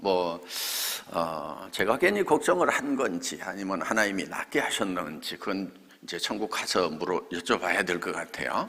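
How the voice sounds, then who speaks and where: Over noticeable background noise, a man with a very deep, low pitch talks at a fairly slow pace with ordinary pitch variation. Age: 60s. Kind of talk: testimony. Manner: hesitant, many filler sounds.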